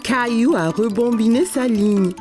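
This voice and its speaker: A woman narrator telling a scripted children's story in a simple, clear storytelling manner. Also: a little high, a little slow. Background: music.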